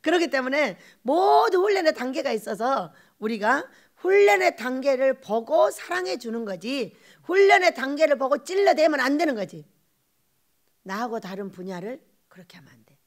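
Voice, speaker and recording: A woman pastor preaches with a high voice that swings widely in pitch. She presses her points with quick rhetorical questions and laughing asides. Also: very animated. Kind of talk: sermon.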